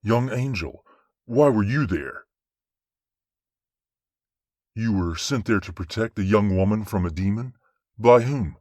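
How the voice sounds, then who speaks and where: Low male voice actor as a stern, fair archangel judge, formal and measured, fantasy audio drama, close dry sound. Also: mellow, no echo, natural voice. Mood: stern questioning.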